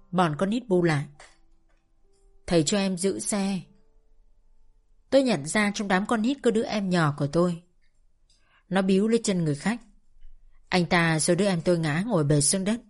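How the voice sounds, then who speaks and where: A woman reading a first-person story aloud in a calm, measured narration. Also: fairly low pitch. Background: faint music.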